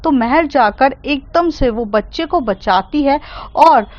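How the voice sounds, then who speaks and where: Woman storyteller, high voice, chatty retelling, muffled sound. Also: lively intonation. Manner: fast, chatty retelling with mixed English words. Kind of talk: casual story narration.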